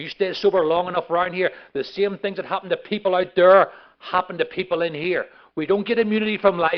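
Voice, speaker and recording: A man with an Irish accent speaks at a high pitch. His very fast delivery is monotone and flat. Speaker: recovery speaker. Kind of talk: testimony.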